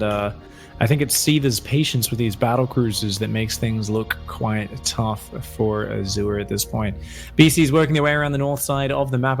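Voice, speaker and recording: A man casting a live esports match with energetic, hyping play-by-play and frequent fillers. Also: mid-range voice, gravelly. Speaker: esports caster.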